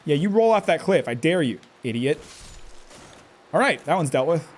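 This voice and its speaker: Stressed man streaming a game, slightly high. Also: sing-song, moderate pace, a little hiss or hum. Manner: talks to himself, curses at enemies, jumpy outbursts. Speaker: streamer playing a game live. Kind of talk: live gameplay commentary.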